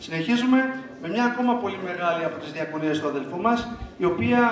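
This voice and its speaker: A man acting as emcee at a church dinner, formally thanking guests and introducing the next speaker. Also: high voice. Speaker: event emcee. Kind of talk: emcee announcements. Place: hall at a church dinner gathering. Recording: echoey hall from far off with a crowd.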